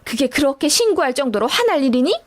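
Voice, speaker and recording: A woman's voice: high voice, sing-song, quick pace. A woman playing a scolding mother-in-law. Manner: sharp, accusing, scolding. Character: scolding middle-aged mother-in-law, brazen and shrill. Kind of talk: acted story reading.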